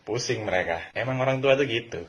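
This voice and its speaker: A man's voice: medium pitch, animated, brisk. A man giving casual, direct advice and lecturing parents in a monologue. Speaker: video creator.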